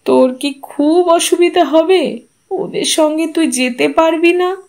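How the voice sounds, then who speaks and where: Narrator putting on a soft-spoken widowed mother, subdued and tired, lifelong resignation in her talk. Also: very high voice, takes it slowly, voice pushed up, full character voice. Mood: pleading. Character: weary grieving widowed mother, older woman.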